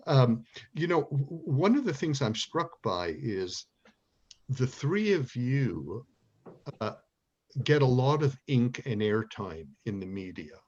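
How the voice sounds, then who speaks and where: A man moderating an online panel discussion. He talks in a halting way, full of "uh" and "um" and restarts. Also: medium pitch, big pitch swings, a little mellow, muffled recording.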